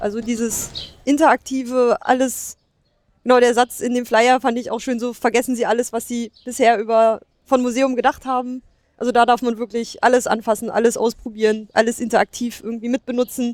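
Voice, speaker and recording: This woman's voice sits high in pitch, with monotone, flat intonation. She moves at a fairly quick pace. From northern East Germany. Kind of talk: casual chat. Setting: walking through a museum.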